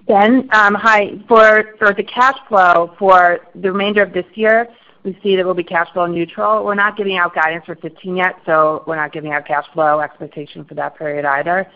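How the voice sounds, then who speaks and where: A female finance executive answers on an earnings call. Her voice is bright and forceful with plenty of fry, and the audio is somewhat dull and lo-fi. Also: lowish voice, fairly even intonation, moderate pace.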